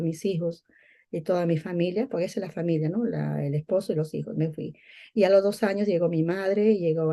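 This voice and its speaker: Mellow, lowish-voiced Peruvian woman, halting delivery. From Peru. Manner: halting, searching for words with repeats. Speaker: guest giving testimony. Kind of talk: personal religious testimony, conversational.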